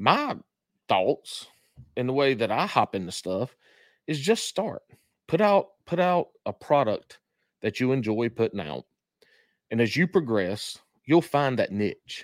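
A man with a Southern US accent speaks at a medium pitch, a fairly slow pace, with long, frequent pauses and very wide pitch swings. The recording is very clean with a silent background, the sound dry and close with no echo. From South Carolina. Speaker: podcast host. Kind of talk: casual chat. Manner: profane, conversational.

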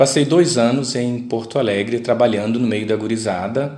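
This man speaks at a moderate pace with a medium pitch. Room echo can be heard. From Brazil, Federal District (Planaltina). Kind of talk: interview.

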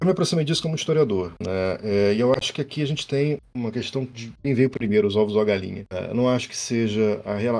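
A man's medium-pitched voice at a fairly quick pace, ordinary pitch variation and hardly any pauses. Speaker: history professor. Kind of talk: interview conversation.

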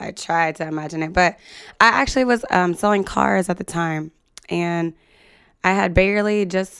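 A woman's unremarkable speaking voice, fairly low in pitch, with an American accent at a moderate pace. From US Northwest (Montana/Oregon). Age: 20s. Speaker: nightlife entertainer. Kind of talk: casual interview.

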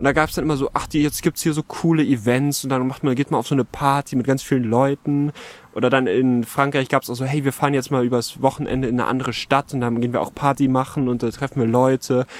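A man's very fast, flat, monotone delivery in a dry, close sound with no echo. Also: medium pitch for a man. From Bavaria, Germany. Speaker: podcast co-host. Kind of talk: casual chat. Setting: outdoors at a lake beach.

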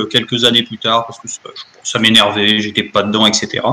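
A man's speech proceeds at a moderate pace with noticeable background noise around it. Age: 30s. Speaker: card collector, podcast co-host. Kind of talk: casual chat.

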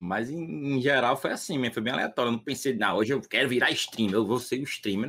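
The recording is very clean, its background silent. On it, a man speaks very fast. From Northeast Brazil, Alagoas (Arapiraca). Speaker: streamer. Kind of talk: casual chat.

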